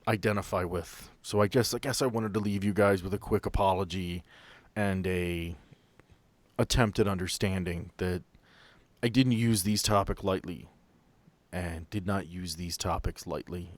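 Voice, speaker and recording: Podcast host, low-pitched man, earnest and casual, dry close mic. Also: fairly even intonation, moderate pace, no echo. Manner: earnest, apologetic, then joking. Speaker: podcast storyteller. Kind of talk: casual chat.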